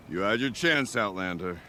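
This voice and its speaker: An actor playing a proud, stern tribal hunter chieftain in a video game, speaking in a solemn, formal and declamatory way with a gravelly voice. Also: male voice, low voice, bright, forceful tone, slight background noise, heavily acted. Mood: scornful. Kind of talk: dramatic video game acting.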